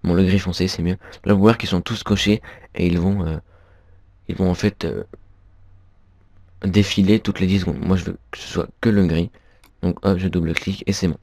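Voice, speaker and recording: A young man walks through a software tutorial on screen, stumbling over his words and restarting often. His voice sits very low. It is recorded dry and close on a computer mic. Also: fairly even intonation, moderate pace, long pauses, dry recording. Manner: hesitant, many fillers and restarts. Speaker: tutorial maker.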